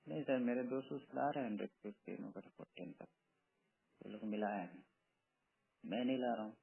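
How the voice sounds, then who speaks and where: A man's voice: mid-range voice, brisk, gravelly, slightly rough. A man on a recorded phone call, negotiating informally in a pleading, persistent way. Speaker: job candidate on a phone call.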